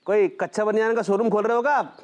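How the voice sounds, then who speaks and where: A man's voice: high-pitched, steady tone, fast, close to an everyday voice. An actor playing a cheeky young loafer who teases an older man. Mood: teasing. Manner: teasing, cheeky.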